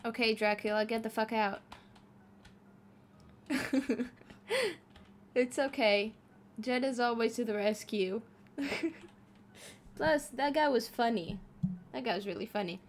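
A woman's voice: a little high, slow pace, long pauses, a little hiss or hum. A woman streaming live as a VTuber, chatting casually with her chat while playing a game, giggling often and swearing freely.

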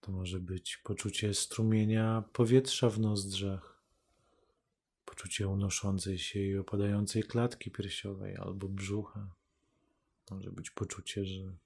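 A man leading a guided meditation as a teacher, calm and unhurried, speaking in measured phrases with long pauses. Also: low voice, gravelly, breathy edge.

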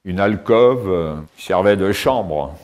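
An older man giving a casual tour of his cave home, talking with many pauses and fillers, recorded on a camera mic as he moves around. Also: sits low, lively intonation, darkish tone. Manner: hesitant, many fillers and restarts. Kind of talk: casual spoken house tour. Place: inside stone cave rooms and outdoors by cliffs.

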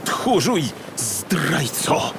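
A man's voice: a little high, big pitch swings, very slow, noisy background, pitched above the performer's own voice, heavily acted. A man voicing a jumpy, indignant detective in an audiobook, stammering and protesting. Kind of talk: audiobook character voice.

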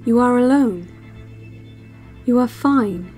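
An actress playing a calm, eerie instructor on a relaxation tape, speaking in a measured, soothing, detached way. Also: female voice, fairly high pitch, faint music behind. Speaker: narrator of instructional cassettes. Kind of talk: scripted guided relaxation narration.

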